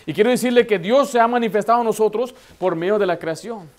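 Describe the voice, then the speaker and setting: A man's voice: sits high, quick pace. A male pastor preaching a sermon, posing questions to the congregation and answering them himself. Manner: emphatic, asks rhetorical questions and answers them.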